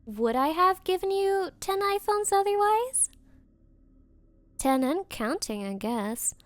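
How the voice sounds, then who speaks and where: A bratty young rich girl, acted by a woman speaks in a high voice at a slow, drawn-out pace. She is coy, haughty and defensive about her crush, in the style of an anime ASMR roleplay, recorded dry and close. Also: sing-song, no room sound, exaggerated voice. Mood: smug, coy. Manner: coy, haughty, hesitant valley-girl phrasing. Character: bratty spoiled rich girl, possessive, smitten but defensive.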